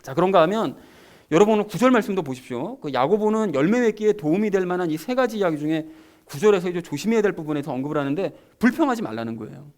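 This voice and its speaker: A man's voice: sits high, expressive, fast talker, darkish tone. A man preaching a sermon as pastor, talking conversationally and emphatically to his congregation.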